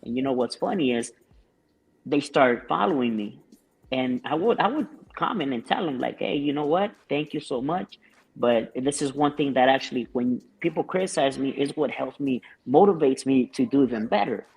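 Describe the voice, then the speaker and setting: Guy with a gravelly voice chatting as a guest, rambly, lots of restarts. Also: mid-range voice, expressive, moderate pace, poor audio. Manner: rambling, with frequent restarts and fillers. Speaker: guest musician. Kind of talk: casual interview chat.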